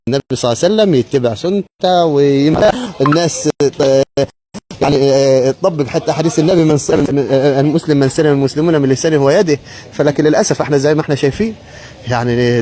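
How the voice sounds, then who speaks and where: Fast-talking man on the street. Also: fairly high pitch, darkish tone, slight background noise. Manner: rapid, blessing passersby, preachy asides. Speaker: street vlogger. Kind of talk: casual street vlog with religious musings.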